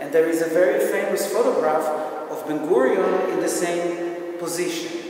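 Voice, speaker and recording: There is strong room echo on this recording. A man speaks with a high pitch. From Israel. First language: Hebrew. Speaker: gallery owner. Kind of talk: walking gallery tour, pointing out artworks in front of the viewer. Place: hall. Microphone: phone near.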